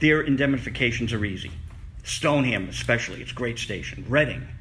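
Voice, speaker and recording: Speaking at a fairly quick pace with lively intonation, a man is heard with audible room echo. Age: 60s. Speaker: public access TV volunteer. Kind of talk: public meeting discussion. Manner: emphatic.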